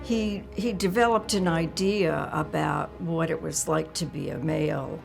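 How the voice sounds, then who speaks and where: A woman reflects haltingly in a documentary interview. Her voice is on the low side and extremely creaky, with music clearly playing behind her. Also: fairly even intonation. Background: music bed.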